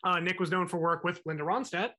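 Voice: mid-range voice, quick pace, pushed and bright. A podcast co-host telling a music history story in a casual, conversational way, acting out quotes and using fillers.

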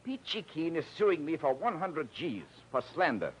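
A man's voice: fairly high pitch, very animated, normal speed, slightly rough. An American man playing an agitated, talkative businessman with emphatic, slangy delivery in a 1940s radio drama. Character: agitated talkative male record-label boss hiring a detective.

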